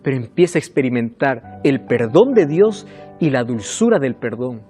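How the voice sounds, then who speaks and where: A man's voice: medium pitch, very animated, moderate pace, mellow, soft background music. A male pastor preaching a sermon, telling stories dramatically with acted-out quotes and rhetorical questions.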